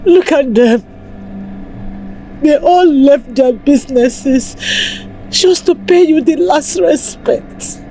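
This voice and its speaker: A woman plays a grieving wife, sobbing as she pleads with her husband's body. Her voice sits high yet sounds mellow and dark, and her words come out slow and heavy. Faint music plays under her. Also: a little hiss or hum, poor audio. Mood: pleading, sobbing. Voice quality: tearful, pleading. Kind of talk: film acting.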